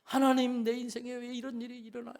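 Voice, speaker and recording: A tearful young woman pours out a pleading prayer to God, as a man puts her on. Her voice rises a little above the speaker's usual pitch. She sounds broken yet earnest. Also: little pitch movement, fast, a little mellow.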